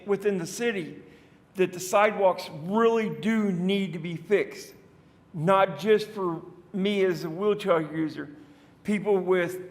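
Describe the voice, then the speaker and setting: Man, high voice, slow unhurried talk, podium mic, long reverb of a council chamber. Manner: conversational, folksy, rambling with restarts. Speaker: citizen speaker at council meeting. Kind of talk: public comment. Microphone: podium microphone.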